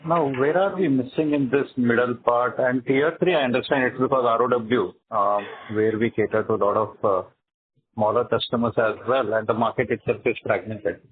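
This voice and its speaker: A man's voice: mid-range voice, normal speed, husky, no room sound. A man asking questions as an investor analyst on an earnings call. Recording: thin, phone-like conference line.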